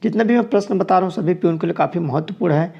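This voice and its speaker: A man with a deeply gravelly, dark-toned voice teaches a grammar exam class. He walks through each multiple-choice question, sits a little high in his pitch, and says each answer twice. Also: very fast, muffled recording. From Chhattisgarh, India. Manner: explains each answer step by step, repeating it. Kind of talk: exam question walkthrough lesson.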